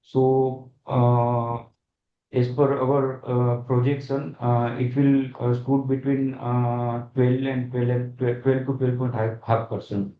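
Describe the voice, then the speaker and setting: Halting Indian man, echoey dull call audio. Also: medium pitch, little pitch movement. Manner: halting, hesitant, with very frequent long filled pauses. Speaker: company executive on an earnings call. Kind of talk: answering analyst questions on a conference call. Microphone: conference call.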